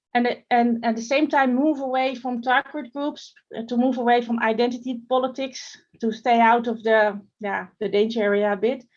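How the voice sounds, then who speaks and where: Against a quiet background, a woman with a non-native accent speaks at a moderate pace in a high pitch. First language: not English. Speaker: research funder policy officer. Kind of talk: conference panel talk. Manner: halting.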